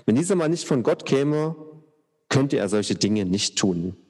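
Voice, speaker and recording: Brief: earnest healed blind man, man reading, husky, in a long echo. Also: medium pitch, very animated, measured pace, darkish tone. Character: formerly blind man, plainspoken and bold.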